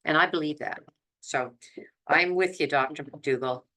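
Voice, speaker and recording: Older woman, very low bright voice. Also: moderate pace. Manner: earnest, emphatic, repeats words for stress. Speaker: health vlogger. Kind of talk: casual, chatty talk to viewers.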